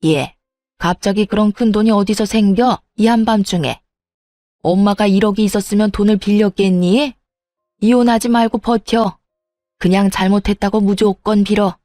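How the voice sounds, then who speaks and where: A woman's voice: mid-range voice, steady tone, normal speed, warm tone, dry recording, studio quality, lightly acted. Give me a selfish older mother-in-law, put on by a woman, scolding, faint music under. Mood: dismissive. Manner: dismissive, scolding.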